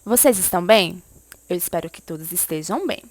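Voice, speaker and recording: A woman's voice: fairly low pitch, expressive, fairly quick, no room sound. A woman teacher giving a remote lesson to young pupils, explaining step by step and often asking them questions. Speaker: primary school teacher.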